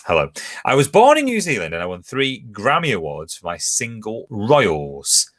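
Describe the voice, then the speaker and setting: A man's voice: on the low side, huge pitch swings, moderate pace, fairly bright tone. A man hosting a pub quiz from home, chatting casually as he reads out questions, answer options and team scores. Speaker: quiz host.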